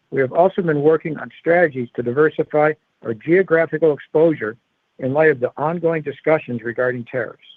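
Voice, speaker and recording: A man's voice: on the high side, no room sound. A male company executive reading prepared earnings call remarks in a formal, scripted corporate manner. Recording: narrow-band phone conference line.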